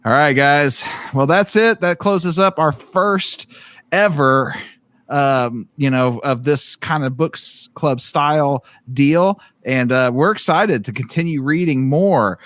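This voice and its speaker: A man's voice: on the high side, slow pace, fairly bright tone. A man hosting a casual book club podcast, laid-back and slangy as he leads the questions. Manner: laid-back, says "dude" and "bro". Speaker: podcast host.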